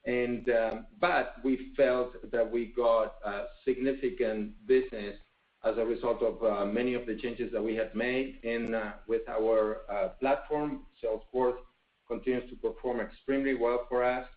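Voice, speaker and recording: Halting male executive on echoey phone line. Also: medium pitch, steady tone. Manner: halting, filler-heavy, with many pauses. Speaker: company executive. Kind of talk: unscripted answer on an earnings call.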